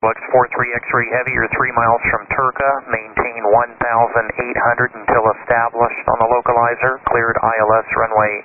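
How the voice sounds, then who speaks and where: A man's voice: medium pitch, level tone, a little fast, hardly any pauses, a crowd in the background. A man working as an approach controller, giving procedural flight instructions over the radio. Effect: radio transmission. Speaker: air traffic approach controller. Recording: phone-like radio with light noise.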